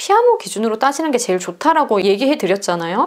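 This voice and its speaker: Very wide pitch swings run through this voice. It belongs to a woman. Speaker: vocal coach. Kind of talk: instructional talk to camera.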